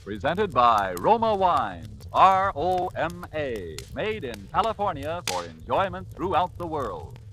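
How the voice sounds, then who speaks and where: Lively 1940s radio ad announcer man. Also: on the high side, unhurried, few pauses, soft background music. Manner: lively, emphatic sales delivery. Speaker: commercial announcer.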